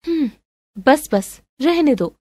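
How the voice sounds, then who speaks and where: A woman's voice: sits high, animated, slow pace, a little mellow, no room sound, pitched above the performer's own voice. A woman voicing a spoiled, demanding, pouty young girlfriend in an acted family drama story. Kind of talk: melodramatic audio story acting.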